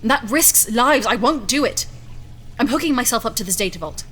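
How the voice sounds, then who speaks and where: An actress playing a stubborn, confident scientist in an audio drama, speaking in an assured, articulate, insistent way. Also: female voice, on the high side, lively intonation, brisk, a bit bright, breathy edge. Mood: defiant. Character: driven, stubborn female scientist, defiant and confident. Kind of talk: audio fiction acting.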